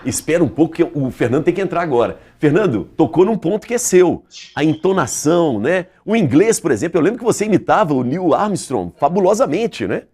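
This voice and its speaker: Man, talk show host, husky, animated pitch. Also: brisk. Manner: frequent short affirmations, lively. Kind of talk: studio talk show interview.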